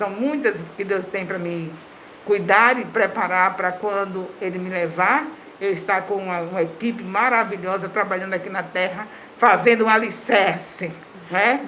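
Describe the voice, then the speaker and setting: A medium-pitched woman at a moderate pace with ordinary pitch variation, amid noticeable background noise and audible room echo. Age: 70s. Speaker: pastor. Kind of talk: sermon. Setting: live stream.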